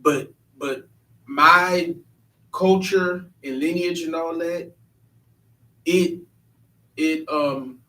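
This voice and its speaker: Man host of a church panel, emphatic and earnest, a touch high, echoey and off-mic. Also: steady tone, drawn-out words, pauses often, pushed and bright. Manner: earnest, emphatic, often restarting sentences. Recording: echoey room, mic at a distance.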